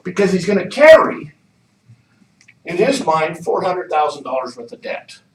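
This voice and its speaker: A man's voice: high voice, very animated, moderate pace. A man leading a real estate training session, coaching the group with repeated questions. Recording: echoey room, mic far off.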